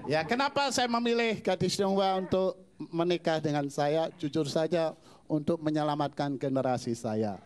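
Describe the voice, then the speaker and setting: A man with a fairly high voice does stand-up, telling self-mocking jokes with a straight delivery. A loud live audience can be heard around him. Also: normal speed, a crowd in the background. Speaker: pastor and stand-up comedian. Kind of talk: stand-up comedy.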